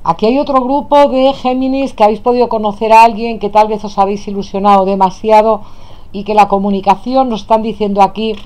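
A woman with a Spain Spanish accent giving a tarot card reading to her viewers, calling them "my loves" warmly as she lays out cards at a table. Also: mid-range voice. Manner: affectionate, addresses viewers as "my loves". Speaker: tarot reader. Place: indoors at a table, hands only on camera.

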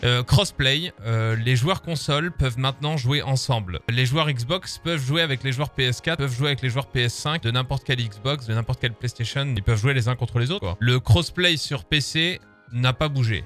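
Joking French gamer streaming. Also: male voice, mid-range voice, moderate pace, few pauses, a bit bright, faint music behind. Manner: joking, swearing, reads patch notes aloud. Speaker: gaming streamer. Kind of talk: casual live-stream commentary.

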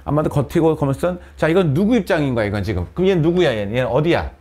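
A man lecturing a class of students in a classroom. His voice sits a little high and rises and falls a great deal. He keeps asking questions of the students and answering them himself. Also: lively intonation, rapid-fire, a little mellow. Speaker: Korean literature teacher. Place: cram school classroom with students present.

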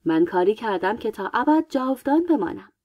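A woman reading a story aloud, voicing a proud, vain young queen in a lightly brighter tone. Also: a little high, sing-song, no echo, highs cut off. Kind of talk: audiobook character voice.

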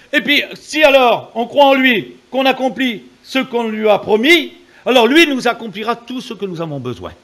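A man's voice: very high voice, bright, forceful tone. A man preaching an evangelical sermon with fervor, calling on the congregation to answer amen. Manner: fervent preaching, calls on the congregation for amens.

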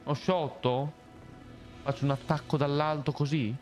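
A young man streaming a game live, reacting loudly and hurling playful insults at enemies. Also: on the high side, a little slow. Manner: excitable, swears and yells insults at enemies. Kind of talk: live gameplay commentary. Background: game music.

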